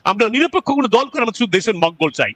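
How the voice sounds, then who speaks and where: A man, a guest commentator on a talk show, speaking earnestly and emphatically with frequent halting restarts. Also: very high voice, dry recording. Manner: earnest, emphatic, drifts between calm and raised passages; halting, with restarts and drawn-out fillers.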